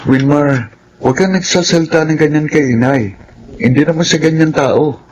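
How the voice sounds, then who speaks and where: A man's voice: fairly high pitch, normal speed, background noise, lightly acted. A young man playing a kind, understanding twin son. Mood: gentle. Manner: gentle, hesitant.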